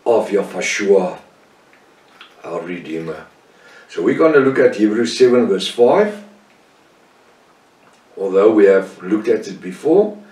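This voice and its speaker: An older man from South Africa with an Afrikaans-tinged accent, leading a Bible study with slow, deliberate delivery, pausing on fillers and correcting himself. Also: lowish voice, warm tone, roomy sound, distant mic, poor audio. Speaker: Bible teacher.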